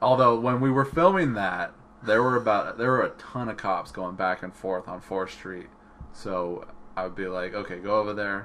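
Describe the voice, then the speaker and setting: Amid noticeable background noise, a man with a fairly low pitch talks at a moderate pace with ordinary pitch variation. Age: 30s. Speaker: podcast host and filmmaker. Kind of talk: casual chat.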